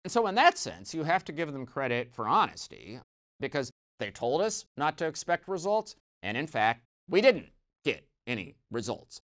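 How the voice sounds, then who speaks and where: A middle-aged man giving a weekly church news commentary from a small studio on a lapel mic, conversational and wry, with lively emphasis and dry asides. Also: medium pitch, moderate pace. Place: small dark studio set, indoors.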